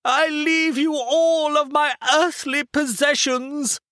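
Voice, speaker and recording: A man voicing a camp, theatrical gentleman with a plummy upper-class English accent and grandiose, over-dramatic delivery in an audiobook. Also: very high-pitched, fairly even intonation, slow, dry recording, studio quality, voice pushed up, heavily acted. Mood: tragic, grandiose.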